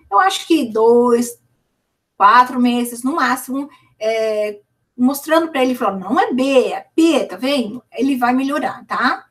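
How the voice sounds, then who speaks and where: A woman's voice: fairly high pitch, fairly bright tone. Brazilian woman teacher, reassuring and slightly distant. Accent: Brazilian Portuguese. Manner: reassuring, repeats sounds slowly to demonstrate. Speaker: literacy teacher answering viewer questions. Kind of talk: casual live Q&A teaching.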